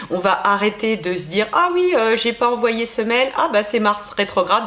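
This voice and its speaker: A woman's voice at a moderate pace, with ordinary pitch variation and noticeable background noise. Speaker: astrologer. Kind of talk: weekly astrology forecast monologue. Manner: animated.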